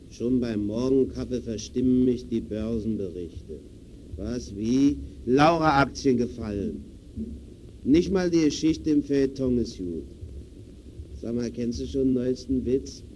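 An actor playing a grumbling, blustery bourgeois husband in old radio-play style. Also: male voice, mid-range voice, takes it slowly, mellow, natural voice. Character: grumpy bourgeois newspaper-reading husband, eager to tell jokes. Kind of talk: 1920s German radio play acting. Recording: muffled, faintly noisy old radio recording.

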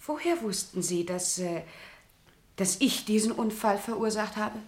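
A woman's voice: medium pitch, a little slow, natural voice. A woman playing a cultivated, proud villa employee in a German radio crime play, confessing in an articulate, formal, self-justifying way. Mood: explaining, proud. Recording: roomy, echoing studio sound.

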